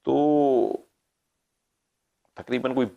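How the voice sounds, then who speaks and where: A man's voice: mid-range voice, drawn-out words, vocal fry, lo-fi sound. A middle-aged man, casually telling a story as a paranormal show host, acting out the dialogue and stopping to correct himself. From Pakistan. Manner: animated, acts out quoted dialogue, digresses and corrects himself.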